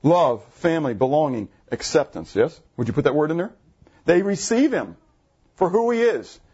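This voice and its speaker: A man preaching a sermon to his congregation, animated, asking the room questions, with jumps in pitch when he gets excited. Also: normal speed, breathy edge, dull audio. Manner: jumpy pitch, bursts high when excited. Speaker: pastor. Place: church assembly room.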